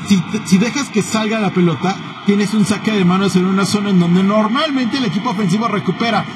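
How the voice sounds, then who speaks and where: A man's voice: high voice, background noise. A man giving conversational analysis as co-commentator on a live soccer broadcast.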